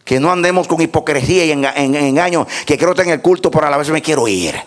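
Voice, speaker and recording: A male preacher with a notably high-pitched voice delivers an impassioned sermon. He tells stories and hammers his points home through repetition. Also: fast.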